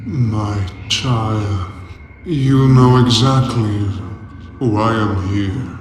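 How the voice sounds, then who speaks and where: Using a put-on character voice at a medium pitch, a man speaks at a very slow pace with long, frequent pauses. A clear echo hangs on the recording. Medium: audio drama. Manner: cold, menacing, calm.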